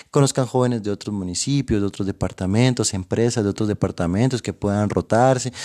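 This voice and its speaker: A man's dark, mellow voice at medium pitch, very fast with fairly even intonation, dry and close with no echo in a very clean recording with a silent background. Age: young. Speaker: podcast host. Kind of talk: casual chat. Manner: halting.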